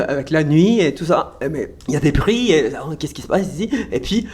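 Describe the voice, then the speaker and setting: An American man from Vermont, a native English speaker, hosting a casual interview in an enthusiastic, halting way, with an American accent and some Québécois French. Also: a little high, animated, darkish tone, breathy edge. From United States, Vermont. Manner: enthusiastic, hesitant with restarts. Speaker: host.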